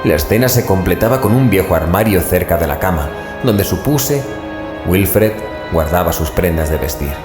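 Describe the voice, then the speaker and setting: Casting: brooding investigator-narrator for horror radio play, low voice, measured delivery, music underneath. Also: male voice, expressive, echoey room. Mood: measured, atmospheric. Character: male investigator narrating an eerie tale, uneasy. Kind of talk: scripted horror audio drama narration.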